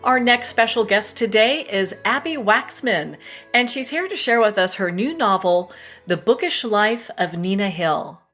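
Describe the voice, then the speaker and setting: A woman's voice: medium pitch, expressive, unhurried, fairly bright tone, faint music behind. A woman hosting a talk show, introducing and interviewing a guest in an upbeat manner and laughing easily.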